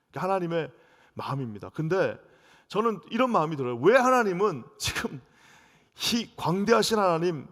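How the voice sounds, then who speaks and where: A middle-aged man from South Korea, a pastor preaching a sermon, drifting from hushed storytelling to loud, fervent outbursts. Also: fairly high pitch. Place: church sanctuary. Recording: long reverb of a church hall.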